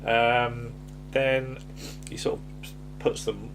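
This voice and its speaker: A man's voice: medium pitch, extremely slow, background noise. Chatty man retelling an episode. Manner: relaxed, meandering retelling with many ums. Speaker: podcast co-host. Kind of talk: casual chat about an old TV episode.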